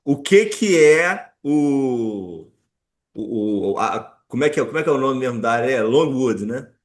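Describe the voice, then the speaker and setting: A Brazilian man hosting a casual interview, haltingly searching for words and repeating the openings of his questions. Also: mid-range voice, expressive. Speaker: podcast host.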